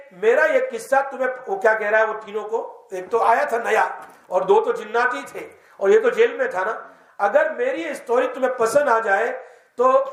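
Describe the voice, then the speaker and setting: A man's voice: very high-pitched, fairly bright tone. A man, an Islamic teacher, giving a mosque lesson. He tells the story in the first person and keeps quizzing the audience. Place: mosque hall. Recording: echoey mosque hall.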